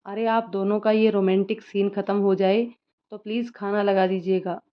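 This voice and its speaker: A woman's voice: medium pitch, level tone, normal speed, lightly acted. A cheeky young daughter full of mischief, as a woman narrator puts her on. She teases her parents in a light, playful way. The sound is a bit dull and lo-fi. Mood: teasing. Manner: cheeky and teasing. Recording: slightly muffled lo-fi recording.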